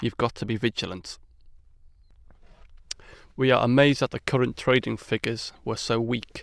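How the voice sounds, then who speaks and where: In a very clean recording with a silent background and a dry, close sound with no echo, a man speaks in an English accent at a medium pitch. His pace is moderate, his intonation is monotone and flat, and his pauses are long and frequent. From Cumbria, England. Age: 30s. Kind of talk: read sentences for speech corpus. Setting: studio.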